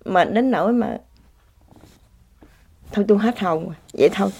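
A woman's voice: medium pitch, lively intonation, normal speed, vocal fry, darkish tone, breathy edge. Woman, casual testimony, exclamatory, laughing. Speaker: speaker sharing a personal story.

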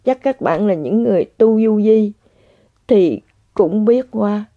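Older woman, dry close voice, unhurried heartfelt testimony. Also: mid-range voice, expressive, no room sound. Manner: earnest, addresses listeners directly, repeats herself. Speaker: spiritual practitioner sharing testimony. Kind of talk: emotional personal testimony. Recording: dull lo-fi sound.

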